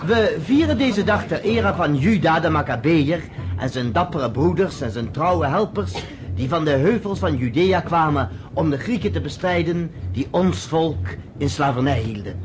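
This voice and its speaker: A man's voice: fairly high pitch, expressive, normal speed, crowd noise, natural voice. An actor playing a devout Jewish man solemnly leading a Chanukah celebration in a radio drama. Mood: solemn, hopeful. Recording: noisy old radio drama recording.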